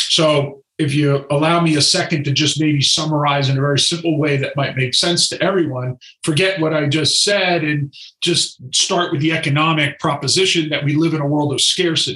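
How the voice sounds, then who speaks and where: A man talks at a moderate pace with a fairly high pitch. His intonation is fairly even and his loudness very even. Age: 60s. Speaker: economics professor. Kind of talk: interview. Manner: halting with fillers.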